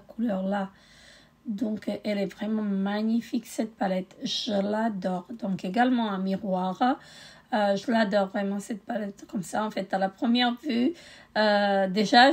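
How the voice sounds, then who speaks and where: A woman's voice: mid-range voice, darkish tone, slightly rough. A middle-aged woman, tired, chatting casually with many hesitations in a beauty haul video. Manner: hesitant, many euh fillers. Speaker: beauty vlogger.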